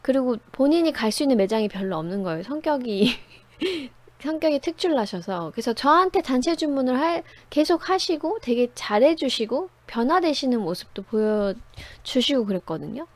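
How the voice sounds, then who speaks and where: A woman in her thirties gives a lively lecture, her fairly high voice swinging up and down as she tells stories from her own working life. She talks conversationally and laughs easily. The recording is close and dry, with no room sound. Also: normal speed, no room sound. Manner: animated storyteller, conversational, laughs often. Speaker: writing instructor.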